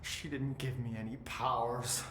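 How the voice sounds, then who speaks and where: An actor as a possessed young man in a game, detached and bitter. He speaks very slowly in eerie, deliberate statements, with a roomy echo and noticeable noise around him. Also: mid-range voice, little pitch movement, a bit bright, natural voice. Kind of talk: video game cutscene acting.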